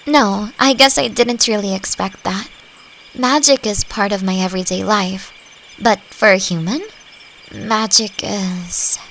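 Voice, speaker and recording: Woman acting as a friendly forest elf lady, gentle n thoughtful, creaky voice, audio roleplay, crickets and faint hiss behind. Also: medium pitch, unhurried. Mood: surprised, thoughtful. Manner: gentle, reflective, conversational. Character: friendly, thoughtful female forest elf, long-lived and curious. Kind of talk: roleplay audio drama addressed to the listener. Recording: faint noise, nighttime forest insect ambience. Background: crickets and forest ambience.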